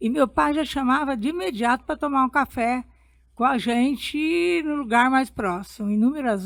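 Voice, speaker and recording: A woman speaks at a high pitch and a fairly slow pace, her intonation lively. The recording is very clean, with a silent background. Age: 70s. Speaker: social worker with marginalized women. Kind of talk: interview.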